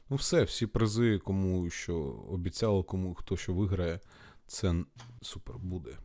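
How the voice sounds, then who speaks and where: A man's dark, mellow tone at a fairly slow pace. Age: 20s. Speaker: wrestling podcast host. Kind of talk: casual live watch-along commentary. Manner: animated.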